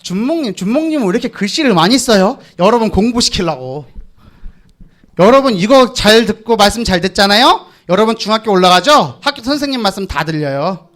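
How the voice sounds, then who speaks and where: A man's voice: high voice, big pitch swings, fairly quick, fairly bright tone. A young man leading a children's sermon, coaxing the kids to repeat lines after him in call and response. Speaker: children's pastor.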